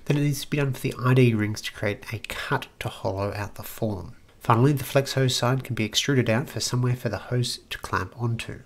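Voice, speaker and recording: A man in his thirties talks through a workshop project in a relaxed, practical way, with the odd dry aside. He has a mid-pitched voice. He is recorded on a camera mic from a short distance in a brick-walled home woodworking shop. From Australia. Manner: chatty, practical, wry asides. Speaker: woodworking channel host. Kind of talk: casual how-to vlog.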